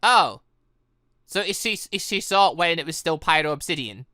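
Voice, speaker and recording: A man's voice: a little high, lively intonation, normal speed, sharp tone, no room sound, clean studio sound. A man hosting a gaming playthrough, reading visual novel dialogue aloud and reacting theatrically, stumbling and blurting exclamations. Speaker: gaming channel host.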